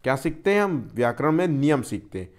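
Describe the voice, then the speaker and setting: A man's voice: medium pitch, sing-song, fairly quick. A man teaching an exam-prep lesson, explaining step by step and posing questions he then answers himself.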